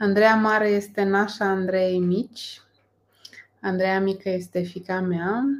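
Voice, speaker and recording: A woman speaks at a very slow pace with medium pitch. Her intonation is monotone and flat. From Romania, Brașov county. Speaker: educator and teacher trainer. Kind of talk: casual interview chat.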